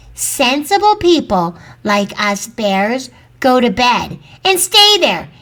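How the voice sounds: This is a natural reading voice. The words are read aloud.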